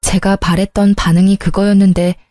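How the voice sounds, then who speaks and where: Woman telling her own story, resentful, mellow voice, dry close sound. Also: mid-range voice, level tone, brisk, dry recording, soft background music. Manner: resentful, confiding. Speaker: story narrator. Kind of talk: first-person story narration.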